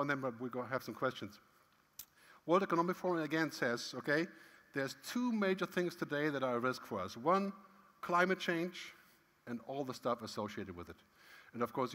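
Middle-aged male keynote speaker, casual and emphatic, hall echo. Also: mid-range voice. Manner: conversational, frequent "right?" tags, lively emphatic swings. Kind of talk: conference keynote talk. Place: large conference hall stage. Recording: long hall reverb.

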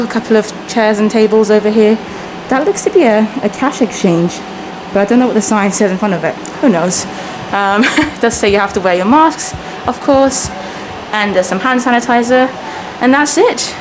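A woman's voice: medium pitch, expressive, moderate pace. A woman in her thirties whose first language is Persian, giving an upbeat, chatty walking tour of a hotel while she films herself. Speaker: travel vlogger. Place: indoor hotel lobby and halls. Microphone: handheld camera, self-filmed. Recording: noisy handheld camera audio.

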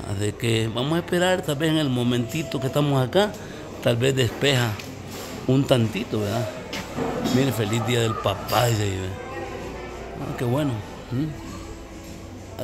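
A man from El Salvador with a Salvadoran accent, vlogging casually outdoors on a misty mountain and talking warmly to his viewers as friends. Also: mid-range voice. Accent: Salvadoran Spanish. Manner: chatty, addresses viewers as little friends. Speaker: travel vlogger. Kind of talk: casual vlog narration.

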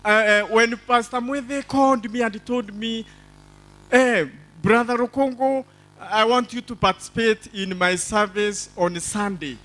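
An older Kenyan man addresses a church congregation with exuberant, declamatory delivery. His voice is high and bright, and he takes his time, repeating phrases to drive them home. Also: steady tone, unhurried. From Embu County, Kenya. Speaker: church testimony speaker. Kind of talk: church testimony, preaching to a congregation. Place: large church hall stage. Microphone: handheld microphone.

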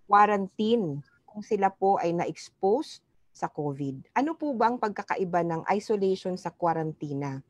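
A woman's voice: medium pitch, darkish tone, no room sound. A middle-aged woman with a Filipino accent giving a formal, polite explanatory presentation as a physician over a video call. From Philippines. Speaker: public health physician speaking at a press briefing. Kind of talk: formal slide presentation, appeal. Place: indoor room, on a video call. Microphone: wired earphone mic on a video call.

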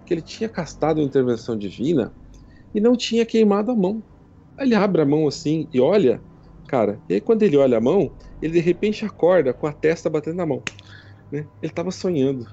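A man's voice: on the high side, big pitch swings, fast, vocal fry, dark tone, breathy edge. A man running a tabletop game as game master, narrating in a casual, chatty storytelling way. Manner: casual storytelling with frequent tag questions and laughs. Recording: dull lo-fi stream audio.

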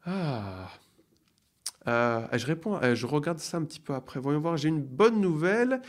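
A middle-aged man teaching a live online grammar lesson, reading example sentences slowly and cheering students on with upbeat praise. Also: fairly high pitch, animated. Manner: slow, deliberate, drawn-out delivery of example sentences; upbeat praise, playful sound effects. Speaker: French teacher.

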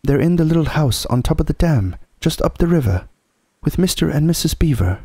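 A man's voice: fairly high pitch, animated, a little fast, mellow, breathy edge, no echo, clean studio sound, pitched above the performer's own voice. A man voicing an eager, anxious young boy in a storybook, polite and pleading. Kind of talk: storybook character voice.

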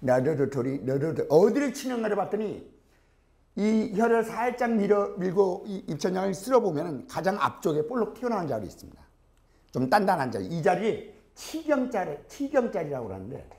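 A man's voice: high voice, sing-song, gravelly, dark tone. Korean-accented man teaching pronunciation drills. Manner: slow repeated drill phrases, rhetorical questions. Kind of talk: lecture with drills.

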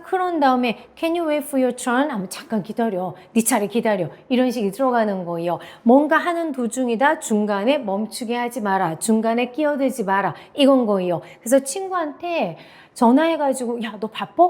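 A middle-aged woman teaching English, who says example phrases slowly and keeps checking in with her listeners. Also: a little high, a little mellow. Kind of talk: classroom lecture.

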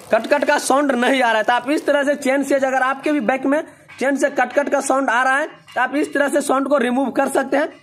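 A bike mechanic with a very high-pitched, fairly bright voice explains a repair step by step in a motorcycle workshop, highlighting details for viewers as he works. A little hiss or hum can be heard on the recording.

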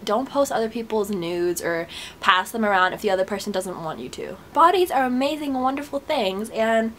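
A woman's voice: medium pitch, lively intonation, normal speed, fairly bright tone, a little hiss or hum. A young woman vlogging to her webcam in a small bedroom, sweaty after a run and a bit stuffed up, chatting in an upbeat, encouraging, rambling way. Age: young adult. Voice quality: stuffy nose. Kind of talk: casual motivational chat to camera. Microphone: webcam close up.

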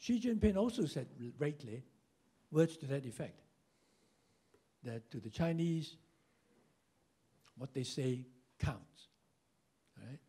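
An older man argues on a panel, wry and rhetorical. His voice is husky and mellow and fairly high. It swings up and down as he makes his points, and he speaks into a handheld mic. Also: expressive, takes it slowly, long pauses. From Hong Kong. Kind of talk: panel discussion remarks. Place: conference room with a seated audience.

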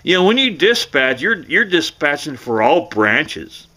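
A middle-aged American man telling a personal story casually to camera in a folksy, halting way, often repeating himself. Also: on the high side, sing-song, bright, forceful tone. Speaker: vlogger.

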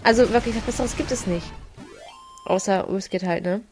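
A woman's voice: medium pitch, normal speed, a little mellow. A woman giving casual, chatty video game commentary, giggling often and stumbling over her words. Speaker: let's play gamer. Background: faint game music.

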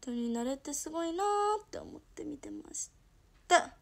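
A young woman from Toyama with a Toyama dialect, chatting casually on her livestream and reacting to viewer comments, dropping to soft murmurs and then bursting out brightly. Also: high voice, lively intonation, moderate pace. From Toyama, Japan. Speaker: idol livestream host.

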